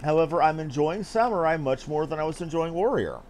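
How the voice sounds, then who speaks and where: A man's voice: a little high, lively intonation, fairly quick, darkish tone, slight background noise. A man giving casual, offhand gameplay commentary with geeky asides as he streams. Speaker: game streamer.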